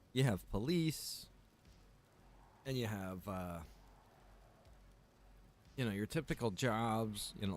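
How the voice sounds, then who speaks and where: Casual male streamer, rambling and halting. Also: on the low side. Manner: rambling, halting, with repeated informal asides. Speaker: livestream host. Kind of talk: casual chat to stream viewers.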